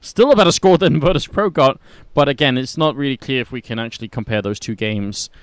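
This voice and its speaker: A man commentating a live esports match, brisk play-by-play that lifts in energy during the action, on a headset mic. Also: medium pitch, clear, resonant tone, dry recording.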